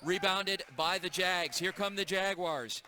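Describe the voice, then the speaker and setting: A man calling a live high school basketball game play by play in a gym, brisk and energetic. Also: background noise. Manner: brisk, energetic call of the action. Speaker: play-by-play announcer.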